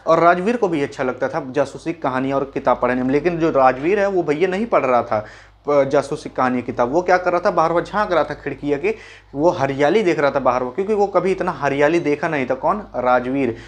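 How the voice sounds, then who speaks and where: A man explaining a school chapter in a casual, folksy way, repeating key points as quick questions and answers. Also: a little high. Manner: folksy, calls listeners brother and mimics sounds. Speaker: teacher.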